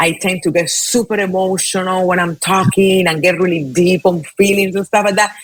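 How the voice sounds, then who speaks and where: A woman speaks at medium pitch with a non-native accent. She leaves hardly any pauses. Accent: foreign accent, noticeable. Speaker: hair colorist and educator. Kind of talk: interview. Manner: fast; animated.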